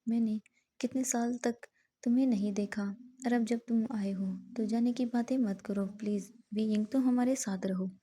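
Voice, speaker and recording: A woman's voice: a little high, fairly even intonation, moderate pace, warm tone, slightly rough. A woman voicing a caring older sister in a storybook reading, speaking in a tender, pleading way.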